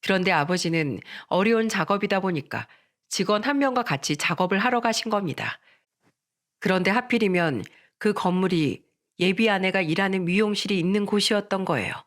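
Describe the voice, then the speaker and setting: A man narrating a first-person story in a steady, plain reading manner. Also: high-pitched, a little fast. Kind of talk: scripted narration of a reader's story.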